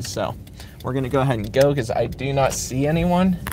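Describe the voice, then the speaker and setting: A man at a very fast pace with ordinary pitch variation, a dry sound with no echo and clear music in the background. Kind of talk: casual live stream commentary. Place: car. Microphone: phone near.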